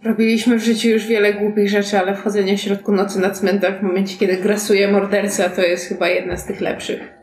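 A woman's voice: mid-range voice, level tone, fast talker, darkish tone. A woman chatting and role-playing as a player in a tabletop game. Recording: roomy, background music. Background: music.

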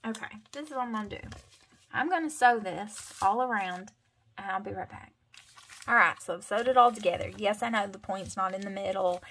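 A woman's voice: mid-range voice, a little fast, a bit bright, a little hiss or hum. A woman with a thick Southern accent chatting casually through a craft tutorial, muttering and mumbling with rambling asides. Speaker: crafter vlogger.

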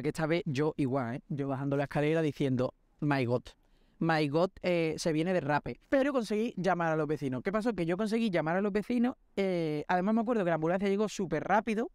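A man in his twenties with a Spanish accent, a podcast host telling a personal story with animated, self-mocking drama while walking outdoors at night. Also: fairly high pitch, dry recording, studio quality. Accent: Spain Spanish. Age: 20s.

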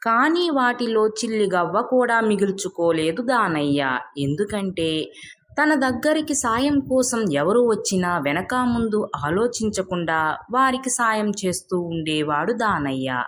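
A woman's voice: medium pitch, very animated, unhurried, a bit bright. Woman narrating a moral story.

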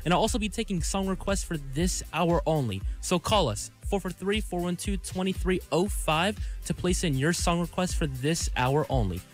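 A young man presents a music radio show in a fairly high voice. He talks as the on-air DJ, close on a studio microphone, with some music playing behind him. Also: normal speed, few pauses. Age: young adult. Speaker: radio DJ and host. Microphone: broadcast studio microphone on a boom arm.

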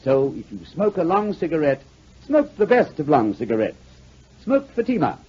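A dull, lo-fi vintage broadcast of a man announcing. He delivers a 1940s radio advertisement with very lively, emphatic intonation. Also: on the high side, moderate pace. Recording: muffled, lo-fi 1949 radio recording.

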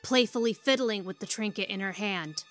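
A woman's voice: mid-range voice, moderate pace, fairly bright tone, faint music behind. A woman narrating a scripted story as the narrator of an audio drama.

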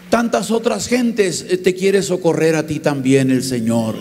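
A man with a Mexican accent gives a passionate sermon testimony, often shouting as he preaches. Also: fairly high pitch. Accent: Mexican Spanish. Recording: echoey hall with faint hum.

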